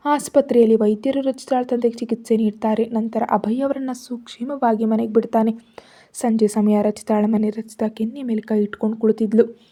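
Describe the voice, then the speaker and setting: Mellow-voiced woman narrating a story. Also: on the high side, little pitch movement, moderate pace.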